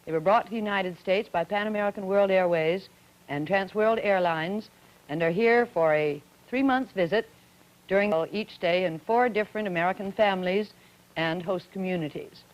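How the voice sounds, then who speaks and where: Poised woman moderator, dull archival sound. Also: mid-range voice. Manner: poised, brisk questioning. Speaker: forum moderator. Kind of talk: scripted archival broadcast moderation. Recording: dull old archival broadcast audio.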